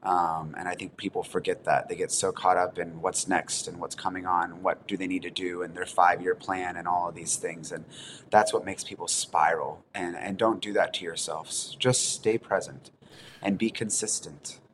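Calm, earnest man in his thirties. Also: deep voice, normal speed, slight background noise, poor audio. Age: 30s. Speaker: chef, podcast guest. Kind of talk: casual podcast chat.

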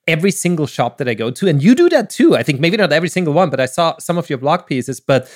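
A man's voice: a little high, big pitch swings, fast. A man with an Austrian accent and German as his first language, chatting casually and enthusiastically as a podcast host. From Vienna, Austria. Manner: enthusiastic, effusive. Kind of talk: casual interview chat.

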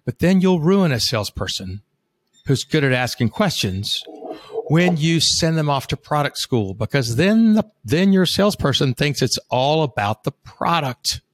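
A man's voice: fairly high pitch, big pitch swings, moderate pace, dry recording. Guy spinning a folksy sales yarn, bit salty, dry sound. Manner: folksy, profane storyteller acting out quoted characters. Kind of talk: storytelling sales talk.

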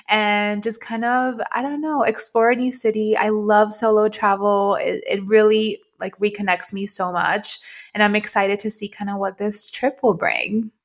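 A woman's voice: mid-range voice, fairly even intonation, moderate pace. A young woman from Venezuela co-hosting a podcast, chatting casually and thinking aloud in a reflective way. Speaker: podcast co-host. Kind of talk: casual chat.

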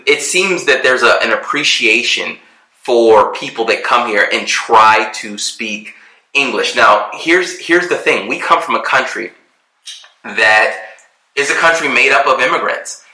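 With an unhurried, mid-range voice and a sharp tone, a Texan man chats casually and earnestly, rambling through plenty of fillers and restarts. He's a vlogger living as an expat in Mexico, and the recording has a roomy echo.

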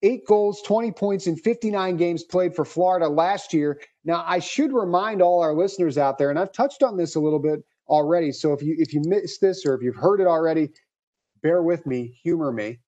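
A man's voice: fairly high pitch, brisk, dark tone, muffled recording. A man hosting a hockey podcast, reading a fluent, upbeat scripted segment. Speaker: podcast host and hockey reporter.

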